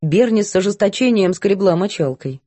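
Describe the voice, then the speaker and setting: A woman reading a novel aloud as audiobook narrator, even and clear. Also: medium pitch, normal speed, no room sound. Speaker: audiobook reader. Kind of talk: scripted story narration.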